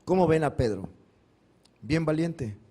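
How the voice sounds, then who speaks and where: A man's voice: a little high, lively intonation, a little slow, dark tone. A male pastor giving a Sunday sermon, posing questions to the congregation and answering them himself, acting out the cries of the Bible figures. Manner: acts out biblical cries dramatically.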